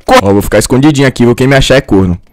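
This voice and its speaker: A man with a sore throat, swearing and yelling through casual game commentary. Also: medium pitch, rapid-fire, dry recording. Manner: swears a lot, yells and shrieks when caught. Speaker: gamer. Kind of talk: casual let's-play commentary.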